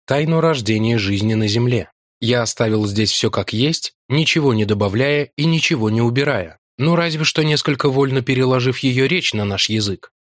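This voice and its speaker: A man reading a novel aloud in measured, expressive scripted narration. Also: mid-range voice, no echo, studio quality. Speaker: audiobook reader.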